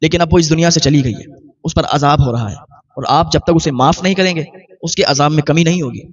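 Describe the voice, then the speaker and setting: A man's voice: a little high, fast, far from the mic, dull audio, lightly acted. A man as an earnest pleading young traveler.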